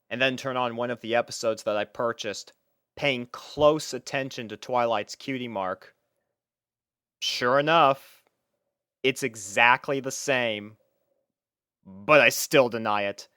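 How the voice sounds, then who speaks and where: A man voicing a lonely, bewildered male college student in a deliberate, theatrical audiobook-style reading with dramatic pauses. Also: mid-range voice, a bit bright, dry recording, studio quality.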